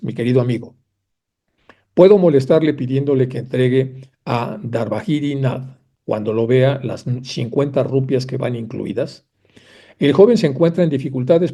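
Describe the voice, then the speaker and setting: Dark-voiced man reading and explaining texts. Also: mid-range voice, normal speed. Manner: reads passages then comments in a conversational aside; addresses listeners directly, with fillers. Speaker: lecturer on theosophy.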